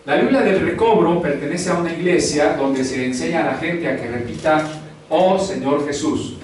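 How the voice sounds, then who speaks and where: A man's voice: on the high side, fairly quick, slight background noise. Man preaching in an echoey hall. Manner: conversational preaching with rhetorical questions. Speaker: pastor. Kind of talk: sermon. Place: church hall. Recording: echoey hall, far from the mic.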